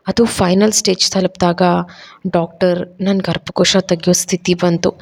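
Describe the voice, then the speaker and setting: A woman voicing a gentle middle-aged aunt who speaks softly and sorrowfully. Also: fairly low pitch. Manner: soft, tender, sorrowful.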